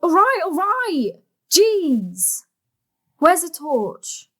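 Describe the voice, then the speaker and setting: An actress playing an inquisitive, slightly impatient teenage daughter with a plain-spoken, questioning manner in an audio drama. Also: female voice, extremely high pitch, very animated, drawn-out words, fairly bright tone, heavily acted. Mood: restless.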